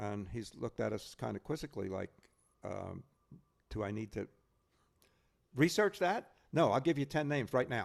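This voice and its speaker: At a moderate pace and medium pitch, a man talks with lively intonation, vocal fry, and long, frequent pauses. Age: 80s+. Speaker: retired kindergarten teacher and men's group facilitator. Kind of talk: interview answer.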